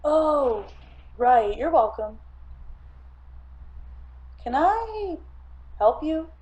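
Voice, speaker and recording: A woman playing a hard-boiled, self-important private detective who narrates a noir radio drama in a brooding, deadpan manner. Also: high voice, very slow, muffled recording, heavily acted. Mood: awkward, casual.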